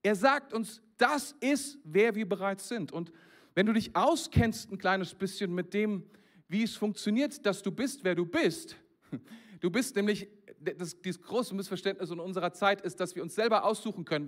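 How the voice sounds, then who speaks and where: A man preaching a lively sermon as pastor, speaking directly to his congregation and often restarting sentences. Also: high-pitched, normal speed. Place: church service with a congregation present.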